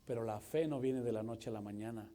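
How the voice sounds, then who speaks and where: A man, preaching a lively sermon that swings between loud and hushed. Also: medium pitch, fairly quick. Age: 40s. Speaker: pastor.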